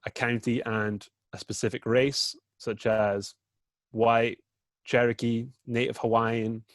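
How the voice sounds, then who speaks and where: A man's voice: mid-range voice, dry recording. A man with a British accent walks through a data dashboard while sharing his screen on a video call, informal and full of fillers. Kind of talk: screen-share presentation in a video meeting.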